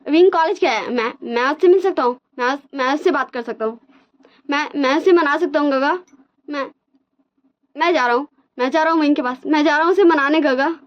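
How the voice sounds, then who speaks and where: A woman's voice: high-pitched, fairly quick, hardly any pauses, pitched above the performer's own voice, lightly acted. Woman doing a frantic stammering young professor. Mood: frantic pleading. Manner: stammering, repeating words. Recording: dull lo-fi recording.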